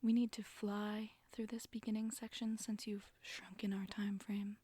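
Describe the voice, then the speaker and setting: A woman voicing a flirty, bossy witch who teaches broom riding, in a soft breathy ASMR roleplay whisper. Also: medium pitch, level tone, a little slow, dry recording. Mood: scolding. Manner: teasing, bossy, instructive. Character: flirty, sassy witch broom-riding instructor, condescending but coaxing.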